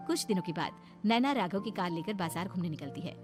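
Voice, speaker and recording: A woman narrating a cartoon moral story in a steady, plain storytelling manner. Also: on the low side, quick pace, music in the background.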